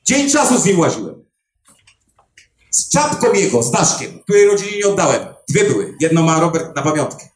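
An older man who finds missing people, telling a story to a live audience with emphatic, animated delivery and dramatic pauses. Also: fairly high pitch. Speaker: clairvoyant body finder. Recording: roomy echo.

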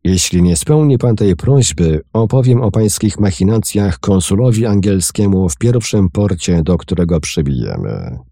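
A man voicing a cool, bold gentleman adventurer who speaks calmly and firmly in a storybook reading. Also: low-pitched, normal speed, few pauses, no echo, clean studio sound, pitched above the performer's own voice, heavily acted. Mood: commanding. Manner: calm, firm, commanding.

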